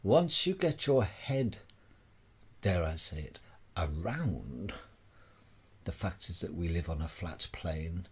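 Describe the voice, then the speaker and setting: A man delivering a rambling monologue straight to the listener in a wry, theatrical manner with deliberate dramatic pauses. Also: sits low, very animated, a little mellow, slightly rough. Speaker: speaker sharing personal views.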